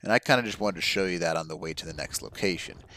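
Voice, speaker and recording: Deep-voiced man giving excited gameplay commentary. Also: fast, slight background noise. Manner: enthusiastic, casual, addresses viewers as guys. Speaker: gaming channel host. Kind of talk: game walkthrough commentary.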